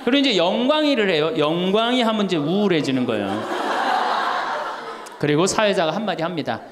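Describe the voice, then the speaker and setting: A middle-aged man, a Catholic priest, giving a humorous talk to an audience and acting out the voices in his stories. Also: high-pitched. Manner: storytelling, acts out quoted voices, laughs along. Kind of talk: humorous lecture.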